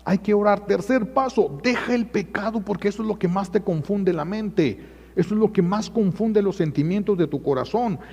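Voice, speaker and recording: A priest with a Mexican accent delivers an emphatic homily, telling folksy stories and often repeating key phrases. His voice is high-pitched, husky and darkish, at a normal speed, and the church sound is echoey and muffled.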